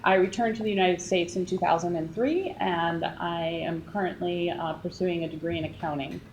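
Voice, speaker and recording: A woman who grew up in Israel, giving a prepared presentation with frequent ums and pauses. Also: lowish voice, fairly even intonation. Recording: echoey room, faint noise.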